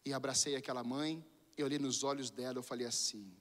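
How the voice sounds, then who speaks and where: A man pastor with a Brazilian Portuguese accent preaching a sermon, moving between hushed storytelling and fervent shouting. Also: mid-range voice, a little fast, big-room sound.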